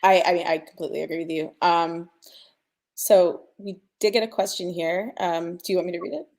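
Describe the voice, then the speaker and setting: A woman's voice: on the low side, fairly even intonation, fairly quick, vocal fry, darkish tone. A woman sound designer talking casually and informally in a panel discussion, enthusiastic about the work. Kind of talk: casual conference panel talk.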